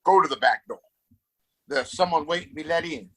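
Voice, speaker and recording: A man's voice: on the high side, brisk, a bit bright. A man playing a domineering, scornful wealthy father and town boss in a Western audio play, condescending and commanding. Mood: stern.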